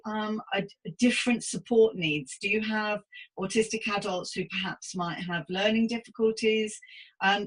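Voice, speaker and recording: A woman in her fifties with a very bright, forward voice at a middle pitch. She hosts a casual interview in a chatty, effusive way, encouraging her guest as she goes. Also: low-quality recording. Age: 50s. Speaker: podcast host interviewing a guest.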